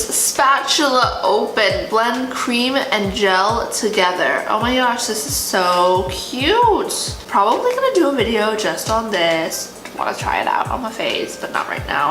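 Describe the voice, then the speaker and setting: A woman chatting casually and excitably as a beauty vlogger, gushing over products while she has hiccups. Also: mid-range voice. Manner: talking while having hiccups. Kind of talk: casual product unbagging chat. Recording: roomy echo, music behind. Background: music.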